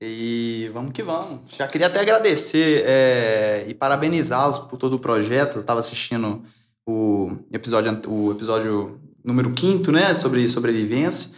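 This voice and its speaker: Medium-pitched man from Venezuela, echoey room. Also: animated, moderate pace. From born in Venezuela, grew up in Brazil and Chile. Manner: earnest, informal, conversational. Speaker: podcast guest, investor and consultant. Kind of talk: casual explanatory chat.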